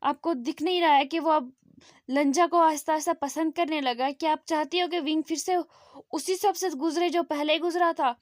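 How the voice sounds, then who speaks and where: A woman's voice: high-pitched, fairly even intonation, fairly quick, no echo, clean studio sound, close to an everyday voice. A woman reading out the lines of a protective young woman who pleads with a string of questions. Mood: pleading.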